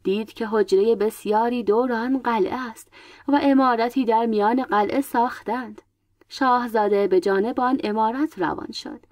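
A woman storyteller reading a classic folk tale in a measured, dramatic way into a close mic. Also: a little high, steady tone, a little mellow, no echo. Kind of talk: scripted narration of a folk tale.

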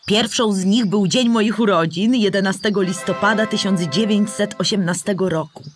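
A woman's voice: mid-range voice, normal speed, soft background music, close to an everyday voice. A woman playing a kindly old storybook animal who patiently explains history to a child in a children's audio play. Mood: patient, explaining. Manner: patient, clear explaining in simple words.

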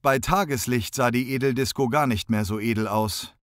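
A male audiobook narrator at a middle pitch, reading in a steady, even voice. The close studio mic gives a dry sound with no room in it. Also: moderate pace, dry recording. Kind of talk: scripted narration.

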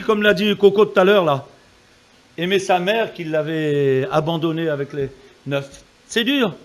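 A man's voice: high-pitched, fairly bright tone. A man preaching an evangelical sermon with fervor, calling on the congregation to answer amen. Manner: fervent preaching, calls on the congregation for amens.

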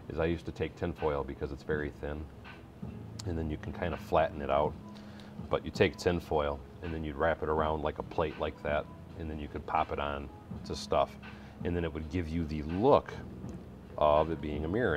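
A man's voice: low voice, slight background noise. A middle-aged man hosting a live building stream, chatting casually, reading viewer comments and laughing easily. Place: indoor workshop room.

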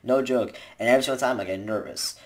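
A man's voice: mid-range voice, fast. Young man rambling into a webcam. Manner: rambling, full of restarts and "like", gesturing with both hands. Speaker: vlogger giving voice acting tips. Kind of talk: casual advice talk to camera. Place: small bedroom indoors, seated in a gaming chair. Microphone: webcam at desk distance.

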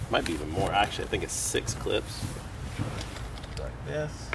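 A man in his thirties hosting a casual how-to vlog outdoors in a backyard, chatting in a loose, relaxed way with restarts. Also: lowish voice, moderate pace, creaky, distant mic. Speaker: host. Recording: outdoor noise behind.

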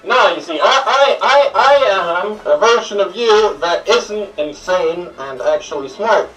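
A man's voice: high-pitched, expressive, measured pace, a bit bright. A young man hosting a comedic review, talking through a gas mask, stammering, swearing and rambling. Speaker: host. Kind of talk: comedic snus review and sketch. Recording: distant, roomy, lo-fi with music.

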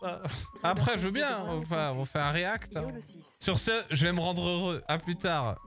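A man's voice: high voice, expressive, normal speed, fairly bright tone, faint music behind. A man from France streaming a shooter game, ranting crudely and animatedly at his chat and teammates. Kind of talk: casual gaming stream rant.

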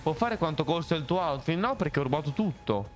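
A young man streaming a game live, reacting loudly and hurling playful insults at enemies. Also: a little high, brisk. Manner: excitable, swears and yells insults at enemies. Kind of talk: live gameplay commentary. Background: game music.

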